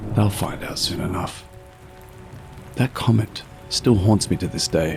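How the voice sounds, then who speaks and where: Over music in the background, a man with a fairly low pitch speaks at a moderate pace with ordinary pitch variation. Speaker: storyteller narrator. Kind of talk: ghost story narration.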